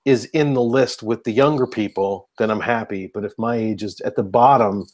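A man's voice: on the low side, moderate pace, darkish tone. A man in his mid-forties co-hosting a podcast, rambling casually with stammered restarts. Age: 40s. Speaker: podcast co-host. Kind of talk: casual chat.

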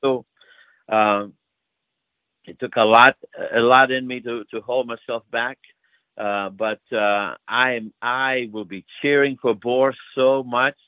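A man's voice: medium pitch, fairly even intonation, slow, dry recording. An older man with a Greek accent, a wrestling promoter, telling stories in a casual interview with lots of fillers. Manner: warm storytelling with frequent fillers. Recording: tinny phone line.

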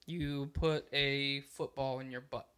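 A young man hosting a podcast, chatting casually with crude, deadpan jokes. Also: mid-range voice, takes it slowly, smooth. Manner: joking, crude, deadpan asides. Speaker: podcast host.

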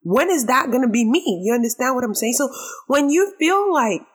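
A woman with a raspy, hoarse voice hosting a talk show monologue, giving her opinions emphatically and repeating phrases for effect. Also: high-pitched, lively intonation, moderate pace. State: hoarse after a late night.

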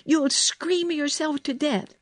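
A woman's voice: a little high, very animated, slow, slightly rough, no room sound, clean studio sound, voice pushed up, heavily acted. A woman voicing a contrary, headstrong young girl in a storybook, blunt and insistent. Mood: fierce.

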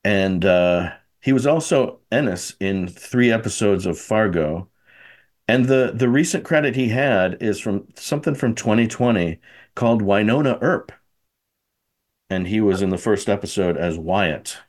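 A man's voice: on the low side, measured pace, darkish tone. A man hosting a podcast in casual chat, talking hesitantly with many fillers. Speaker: podcast host.

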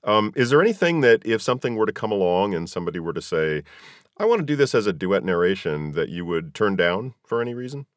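A man's voice: lowish voice, big pitch swings, fast talker, no echo, studio quality. A man hosting a casual podcast interview, phrasing his questions in a tentative, roundabout way.

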